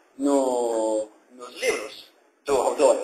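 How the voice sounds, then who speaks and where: A man speaks at a very slow pace. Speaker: professor. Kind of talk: lecture. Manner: halting.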